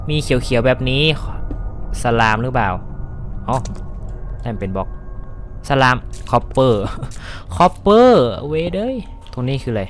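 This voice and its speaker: A man casually commentating his own game session, excitable and prone to yelping and shouting when under attack. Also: mid-range voice, slight background noise. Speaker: gaming channel host. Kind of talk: casual let's-play commentary.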